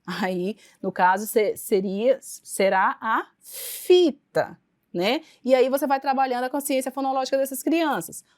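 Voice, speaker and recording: Woman, Brazilian Portuguese accent, teacher, higher pitch, dry close recording. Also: fairly even intonation, normal speed, darkish tone, dry recording. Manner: explanatory, frequent "né" tags, many restarts. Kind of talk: recorded online lecture.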